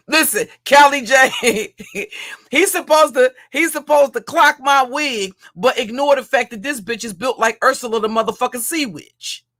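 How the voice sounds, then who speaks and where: Woman streamer, deep heavy voice, taunting and crude, loops back over her own lines. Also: measured pace, a bit bright. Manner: mocking, insulting, repeats and restarts phrases. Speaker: livestream commentator. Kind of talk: profane roast rant.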